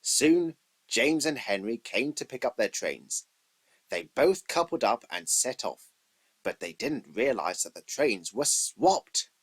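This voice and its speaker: A male narrator reads a children's story about trains in scripted storybook style. His voice is somewhat husky and sits at a medium pitch for a man. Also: expressive, slow pace.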